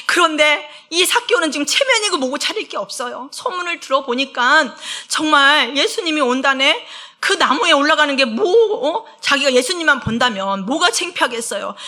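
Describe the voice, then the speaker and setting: A woman associate pastor preaching a sermon in a church, acting out God's and people's words with animated voices. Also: high-pitched. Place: church sanctuary.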